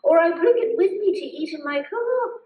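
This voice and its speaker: A bright, chatty puppet lady, played by a woman, her very high voice leaping up and down as she tells stories and coaxes her friend along. She sounds gently instructive. The voice is heard from afar in a roomy, echoing space. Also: moderate pace, dull audio. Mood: reflective. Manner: lively, storytelling, gently instructive. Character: cheerful, chatty older woman puppet who loves mindfulness. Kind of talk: live puppet show acting. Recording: echoey room, mic far off.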